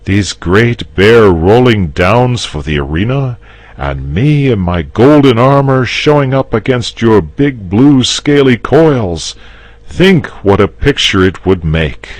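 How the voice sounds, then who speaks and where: A man's voice: on the low side, very animated, slow pace, no echo, voice pushed up. Man doing a patient, persuasive knight. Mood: persuading. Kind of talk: storybook reading.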